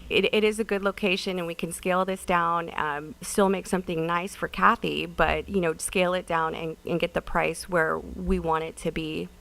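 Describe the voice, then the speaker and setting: Low, creaky-voiced woman, matter-of-fact. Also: steady tone, normal speed, few pauses, a bit bright, rough recording. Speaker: city staff member presenting a project. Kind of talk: answering questions in a public meeting.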